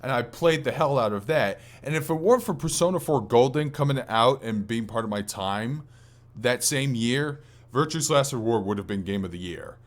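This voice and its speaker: A man's voice: medium pitch, lively intonation, normal speed. A man hosting a gaming podcast, talking in an informal, rambling way with casual swearing. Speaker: podcast host.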